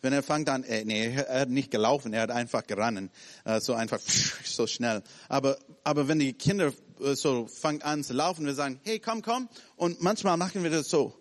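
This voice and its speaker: Animated preacher man in a reverberant hall. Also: mid-range voice, a little fast. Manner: animated, acts out scenes in short broken phrases. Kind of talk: sermon.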